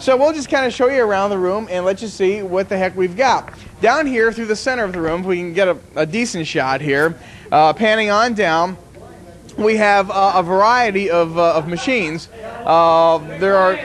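With an American accent, a man talks at a moderate pace in a high voice over light background noise. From US Midwest. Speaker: video collector emceeing convention footage. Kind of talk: casual banter for home video. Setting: hotel ballroom convention, on camera. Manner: animated, joking. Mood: cheerful, jokey. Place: hall. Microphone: handheld.

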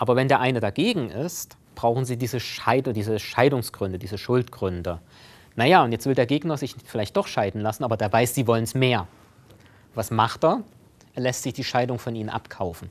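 Moving at a fairly quick pace, a man speaks with ordinary pitch variation. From Germany. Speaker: lawyer. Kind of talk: expert interview explanation. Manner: hesitant with many fillers. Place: meeting room. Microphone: lapel.

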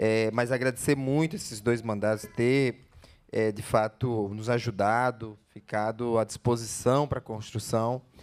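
The man's intonation is fairly even. His pitch is medium. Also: fairly slow pace. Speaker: social movement coordinator; panelist. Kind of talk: public speech at seminar. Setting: assembly hall with microphone and audience. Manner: halting, many fillers. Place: hall. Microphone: handheld.

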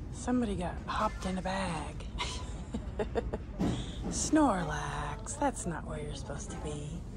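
A fairly slow woman's voice amid loud background noise. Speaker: ASMR creator. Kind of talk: ASMR roleplay. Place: shop. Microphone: phone near.

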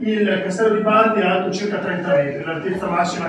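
A man speaks at a fairly quick pace in a high voice, with strong room echo and noticeable background noise. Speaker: local committee spokesperson. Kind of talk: public meeting presentation. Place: meeting room. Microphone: camera far.

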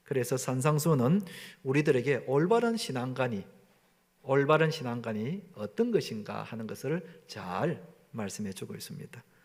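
Big swings in loudness mark a man's fairly slow speech, pitched fairly high and swinging very widely. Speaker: pastor. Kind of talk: sermon.

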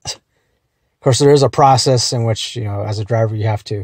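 A man with a dark, mellow, somewhat breathy tone is heard in a dry sound with no echo against a quiet background. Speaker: delivery driver vlogger. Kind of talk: casual vlog chat. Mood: relaxed, explanatory. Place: car. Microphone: phone near.

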